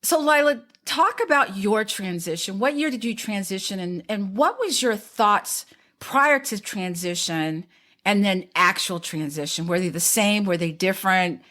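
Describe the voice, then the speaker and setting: A woman hosting an interview in an ordinary middle-pitched voice. She talks in a chatty, animated way, asking questions and jumping in with her own stories. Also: a little slow. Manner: chatty, animated asides and acted-out quotes. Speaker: podcast host. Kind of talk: conversational interview.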